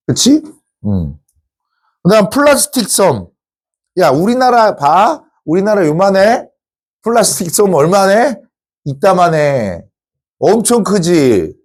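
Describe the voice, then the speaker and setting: Lively, chatty man lecturing a class. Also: sits high. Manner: chatty, teasing asides to students; lively, informal. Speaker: teacher.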